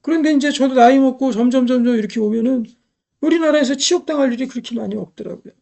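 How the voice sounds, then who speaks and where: A woman's voice: sits high, fast, gravelly, dark tone. A middle-aged woman preaching a sermon, emphatic, repeating key phrases and putting rhetorical questions to the congregation.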